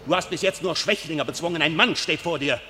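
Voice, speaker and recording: An actor playing a proud, hate-filled noble warrior duke in a classic radio drama, declaiming verse with haughty scorn. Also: male voice, a little high, brisk, bright, forceful tone. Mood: furious, scornful. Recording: reverberant hall sound.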